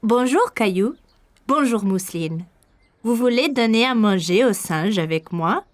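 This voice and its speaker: A woman's voice: a little high, expressive, measured pace, no echo. A woman voicing a friendly zoo worker who talks simply to children in a cartoon. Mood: welcoming. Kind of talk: cartoon voice acting.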